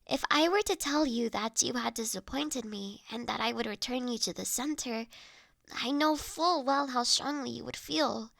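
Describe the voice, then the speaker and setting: A woman takes the role of a gentle, formal young mistress of a manor in a roleplay audio drama, gently persuasive as she speaks earnest, caring lines in measured, old-fashioned phrasing. Her voice is a little high and gravelly, and there's no room sound.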